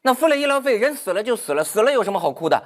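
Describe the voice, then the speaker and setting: A woman's voice: fairly high pitch, sing-song, rapid-fire, voice pushed up. A man voicing a chatty, cheerful middle-aged masseuse woman who talks bluntly.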